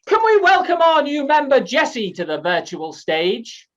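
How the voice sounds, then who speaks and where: A man voicing a chirpy, welcoming online club host from Canada with brisk, gushing politeness, in comic storytelling. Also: very high voice, wildly swooping pitch, a bit bright, recorded from a distance, highs cut off, voice pushed up, exaggerated voice. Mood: cheerily announcing.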